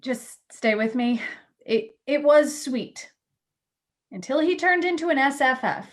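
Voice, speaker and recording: Female magazine editor for a play reading, acted by a woman: candid, confiding, slightly hesitant, pitched a little high. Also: lively intonation, unhurried. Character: candid, loyal female magazine editor, jaded about love. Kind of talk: virtual staged play reading.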